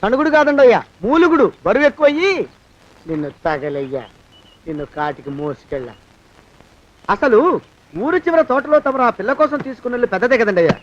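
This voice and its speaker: Brief: put-upon clerk griping under his breath; very high, fast, dull old film sound. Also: expressive. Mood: grumbling. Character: grumbling male clerk forced into chores. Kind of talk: film comedy dialogue.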